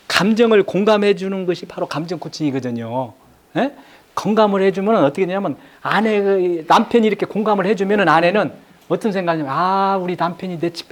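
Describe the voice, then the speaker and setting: A man giving an interactive lecture on marriage communication to a live audience. He coaxes them to take part, acts out what husbands and wives might say, and chuckles often. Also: high-pitched. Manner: animated, coaxing the audience, acting out couple dialogues, chuckling often.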